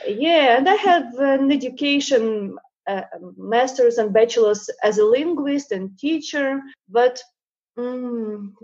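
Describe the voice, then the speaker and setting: A Russian-born painter in her thirties, whose first language is Russian, chats casually as an interview guest, hesitant and full of fillers. Her fairly high voice has lively intonation and a darkish tone, and she speaks slowly. The sound is lo-fi.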